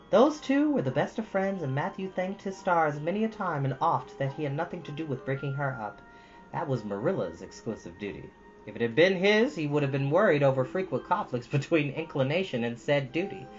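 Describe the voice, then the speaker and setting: A woman's voice: low voice, big pitch swings, normal speed, muffled recording, faint music behind. A woman hosting storytime, reading expressively and chatting casually to listeners. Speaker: storytime host and reader.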